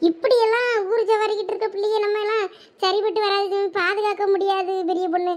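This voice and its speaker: A woman's voice: very high-pitched, level tone, brisk. A woman voicing an exasperated, anxious village mother in a cartoon, scolding and complaining in a Thoothukudi Tamil accent. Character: exasperated, anxious village mother fretting over her children. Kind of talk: cartoon village drama dialogue.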